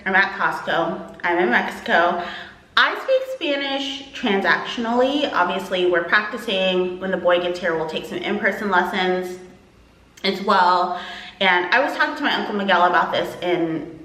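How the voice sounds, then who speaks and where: Bright-voiced woman vlogging, roomy sound. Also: mid-range voice. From Texas, USA. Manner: rambling, lots of "like" and "um". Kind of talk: casual chat to camera.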